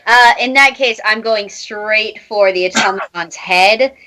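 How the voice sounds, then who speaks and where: A woman playing a tabletop roleplaying game, speaking in a theatrical, halting way and repeating words as she slips between casual talk and character. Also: medium pitch, bright, forceful tone, rough recording.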